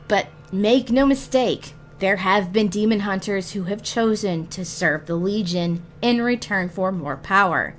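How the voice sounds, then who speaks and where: A woman hosting a scripted gaming guide, addressing the listener directly with emphatic phrasing. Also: mid-range voice. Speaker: video guide host. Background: music behind the voice.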